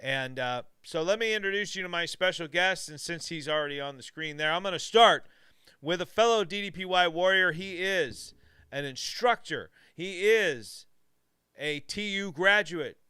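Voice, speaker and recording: Upbeat male host, bright crisp voice, dry close sound, hyping his guests. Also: on the high side, animated, normal speed, no room sound. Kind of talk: casual live show chat.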